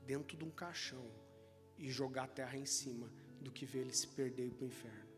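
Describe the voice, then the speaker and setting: A man with a Brazilian accent quoting a devout, grave mother in a sermon, speaking in a solemn, hushed way. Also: medium pitch, fairly quick, voice pushed down, close to an everyday voice. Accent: Brazilian Portuguese. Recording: church hall reverb with music.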